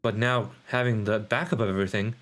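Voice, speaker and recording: A man giving casual live commentary as a game streamer, musing and thinking out loud as he goes. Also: fairly low pitch, steady tone, fast.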